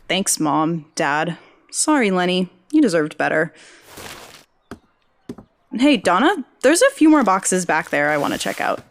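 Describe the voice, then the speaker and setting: Wry young woman. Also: on the low side. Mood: wry, casual. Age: young adult. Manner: dry, sarcastic, casual. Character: wry young female journalism graduate, sarcastic and curious. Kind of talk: naturalistic audio drama dialogue and monologue.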